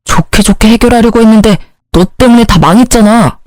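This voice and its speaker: A woman's voice: a little high, a little fast, a little mellow, no echo, close to an everyday voice. A woman voicing a sly, self-excusing cheating husband who turns from pleading to blaming. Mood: scornful. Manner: pleading, then scornful and blaming.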